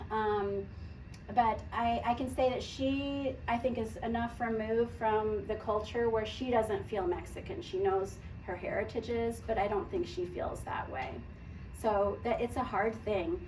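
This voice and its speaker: Speaking fairly slowly in a Midwestern American accent, a woman uses ordinary pitch variation over noticeable background noise and audible room echo. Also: fairly high pitch for a woman. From US Midwest, rural southern Illinois. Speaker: artist. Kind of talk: Q&A at artist talk. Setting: gallery with audience. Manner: casual, hesitant with fillers.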